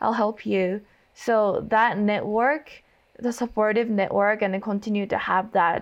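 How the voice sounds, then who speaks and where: With a Japanese accent, a woman talks at a fairly slow pace. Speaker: data and operations lead at a tech startup. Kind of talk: interview.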